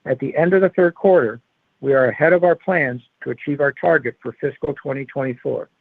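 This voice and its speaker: A man's voice: mid-range voice, a little fast, vocal fry, no room sound. A male company executive reading prepared earnings call remarks in a formal, scripted corporate manner. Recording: narrow-band phone conference line.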